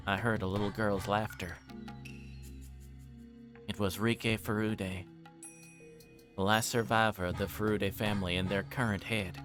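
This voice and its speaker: A man with a fairly low voice reads visual novel text aloud for a livestream. He narrates in first person and now and then trips on a word and corrects it. Soft music plays behind him. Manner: reads in first person with occasional stumbles over words. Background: game music.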